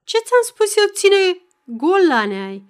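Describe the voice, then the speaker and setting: Femeie care joacă un țăran beat care urlă. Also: female voice, very high voice, very animated, voice pushed up. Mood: bellowing. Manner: bellowing, threatening. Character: drunk furious peasant father, middle-aged man.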